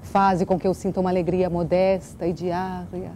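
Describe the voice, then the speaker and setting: A woman's voice: on the low side, level tone, normal speed, dark tone, slight background noise. A woman speaking earnestly as a guest, in the manner of someone who performs. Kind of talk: earnest interview talk and poetic recitation.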